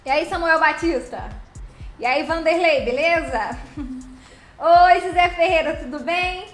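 A woman's voice: very high voice, slow. A woman hosting a casual live stream, greeting viewers by name with pet names and chatty affection. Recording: roomy echo with faint background music.

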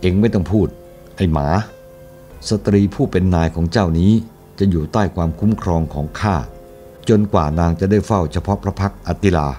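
Harsh male Hun envoy played by a man reader, commanding, deep, faint music behind. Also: fairly quick, mellow, lightly acted. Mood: barking.

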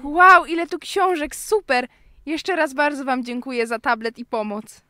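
A woman's voice: high-pitched, a little slow, sharp tone, no echo. A woman voicing an earnest young female narrator in an amateur science-fiction radio play. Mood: grateful. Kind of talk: scripted radio drama reading. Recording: amateur studio take with hum.

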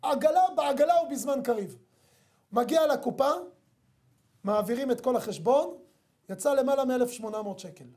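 A man preaching as a rabbi, his voice warm and dark rather than bright. He speaks emphatically and turns often to his listeners with rhetorical questions. The sermon weaves teaching into a story. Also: extremely high pitch, pauses often.

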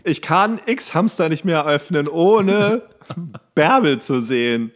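A man's voice: fairly high pitch, animated, takes it slowly. A man chatting casually as a podcast co-host, joking and teasing, often chuckling as he talks. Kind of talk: casual comedic banter.

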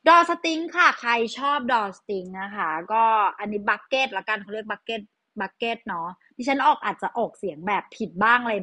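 A woman's voice: medium pitch, sharp tone, no room sound. A young adult woman vlogger chatting casually through handbag releases, thinking aloud and poking fun at herself. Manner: chatty, thinks aloud, self-mocking asides. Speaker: fashion vlogger. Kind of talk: casual product talk.

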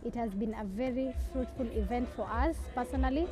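A woman exhibitor at a trade fair giving a measured, formal testimonial. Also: on the high side, music in the background. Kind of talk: prepared testimonial.

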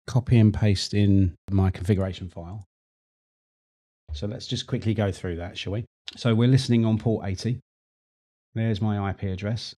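Man, tech tutorial host, low voice, dark tone, relaxed, chatty. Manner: relaxed, chatty, repeats words while working. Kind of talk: screen-recorded tutorial narration.

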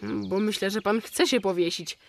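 A man's voice: high-pitched, normal speed, gravelly. An actor playing a blunt, curious eleven-year-old boy in a radio drama. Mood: curious, matter-of-fact.

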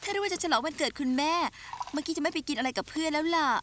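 A woman's voice: high-pitched, expressive, racing, loud music behind the voice. A woman dubbing a Thai TV drama, playing a headstrong young woman who argues with her mother and her lover. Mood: pleading. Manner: sweet then sharp, headstrong.

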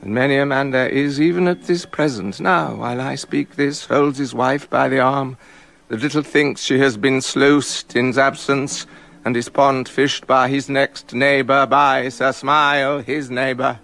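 A gravelly, jealous king. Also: medium pitch, fairly even intonation, unhurried, fairly bright tone. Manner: bitter, muttering asides, swelling to accusation. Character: jealous brooding king, middle-aged man. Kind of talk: radio drama acting.

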